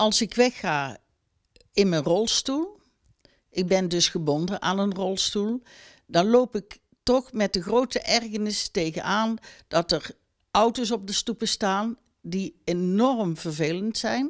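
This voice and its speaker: A woman speaks at a very slow pace with lively intonation over a quiet background. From Netherlands, North Brabant (Made); North Brabant, Netherlands. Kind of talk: personal testimony. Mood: calm, slightly annoyed. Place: home room. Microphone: handheld.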